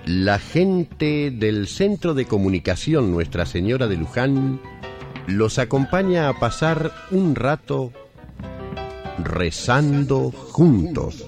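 An Argentine man announces a radio play over prominent music. His delivery is slow and grandiose, with wide swings of pitch. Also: very animated, creaky. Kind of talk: scripted radio play narration.

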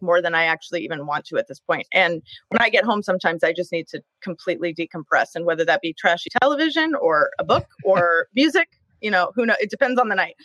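A woman's voice: lowish voice, a bit bright, dry recording, poor audio. Talkative friendly woman on a video call. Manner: friendly, talkative, laughs easily. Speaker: podcast panelist. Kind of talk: casual chat. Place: home in Seattle.

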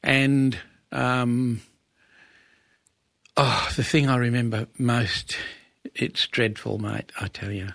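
Gravelly older Aboriginal Australian man reminiscing. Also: medium pitch, little pitch movement, slow pace, a bit bright, no echo. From Western Australia. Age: 70s. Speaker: interview guest, Aboriginal elder. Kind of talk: conversational reminiscence.

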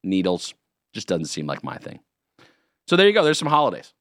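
A man hosting a morning radio show, chatting in a jokey, rambling, animated way in a studio. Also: low-pitched, a little fast, dry recording. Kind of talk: casual morning radio banter. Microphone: studio microphone.

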